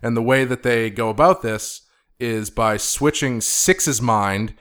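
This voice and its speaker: A man's voice: mid-range voice, slow, fairly bright tone. A man hosting a podcast in a studio, chatting casually and rambling with fillers. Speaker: podcast host. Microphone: studio microphone.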